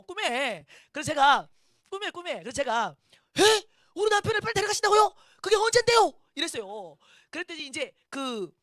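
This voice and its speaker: A middle-aged woman pastor preaches in a high, quick voice. She tells her story in a lively way and acts out each quoted voice. The sound is close and dry. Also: no room sound. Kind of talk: sermon with personal testimony.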